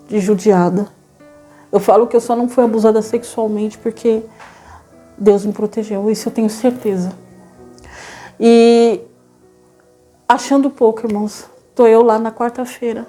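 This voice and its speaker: A woman with a São Paulo Brazilian accent gives a church testimony, telling her story to the congregation in an earnest, halting way, with faint music behind her. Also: a little high, mellow. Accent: Brazilian Portuguese, São Paulo. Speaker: church member giving testimony.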